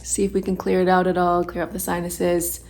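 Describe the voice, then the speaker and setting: A woman with a congested, stuffy voice talks openly to camera, reflecting as she goes. Her tone is dark and mellow with a gravelly edge. Soft music plays faintly underneath. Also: lowish voice, completely flat delivery, brisk. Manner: candid, reflective, thinking aloud. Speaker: vlogger on a freediving course. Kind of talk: candid vlog to camera.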